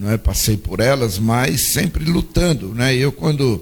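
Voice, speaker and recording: A man speaks at a very slow pace, somewhat breathy. His intonation is lively. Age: 60s. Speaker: pastor. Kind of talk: testimony.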